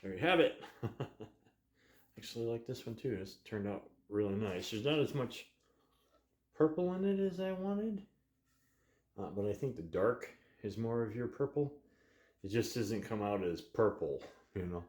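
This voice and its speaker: A man with a fairly low voice talks casually about his woodworking, rambling a little and chuckling often. He sounds like he is recording in a barn workshop, and the room adds a noticeable echo. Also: expressive, normal speed, pauses often, a little mellow. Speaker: woodturning channel host.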